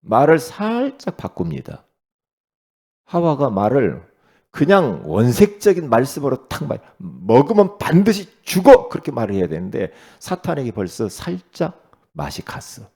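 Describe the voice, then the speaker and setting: A male pastor delivering an early-morning sermon in a gravelly, husky voice. His delivery swings widely in pitch, with frequent rhetorical questions tossed to the congregation. The tone sits dark and mellow. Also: huge pitch swings, moderate pace.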